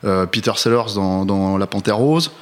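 A man's voice: fairly low pitch, moderate pace. A man reviewing a film in casual panel talk, hesitant, with many fillers and restarts as he builds his points.

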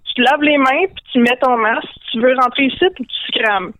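A woman's voice: sits high, fairly quick, a bit bright, dry recording. A woman voicing a blunt, sarcastic male innkeeper who talks in casual slang, with a Québécois French accent. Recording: dry narrow phone-line sound.

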